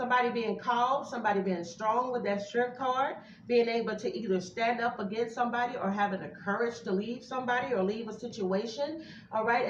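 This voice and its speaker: An animated tone with hardly any pauses, amid audible room echo and noticeable background noise. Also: woman. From US South. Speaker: YouTube livestreamer and tarot reader. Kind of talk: live tarot reading stream. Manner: fast.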